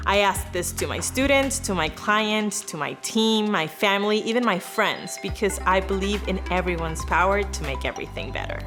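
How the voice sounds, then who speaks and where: A woman from Venezuela, giving an earnest, upbeat prepared statement as an award recipient. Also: medium pitch. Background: background music.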